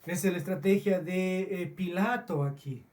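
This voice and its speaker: A man preaching a sermon as pastor, slow and deliberate with frequent restarts, recorded in a church. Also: sits high, darkish tone, recorded from a distance. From Peru.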